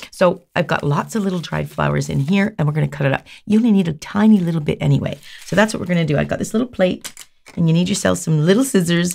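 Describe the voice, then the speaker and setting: A woman talks at a very fast pace with vocal fry and a fairly low pitch. Her pitch variation is ordinary. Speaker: nail technician educator. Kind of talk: tutorial. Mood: cheerful, chatty. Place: studio.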